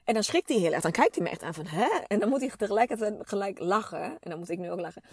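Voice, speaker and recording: A woman's voice: mid-range voice, lively intonation, very fast, gravelly, darkish tone, slightly rough, no room sound. Woman, 30s, vlogger: frank, chatty, emotional storyteller, dry close-miked sound. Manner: open, chatty and emotional, with many fillers. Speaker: vlogger speaking to a female audience. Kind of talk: candid personal storytelling.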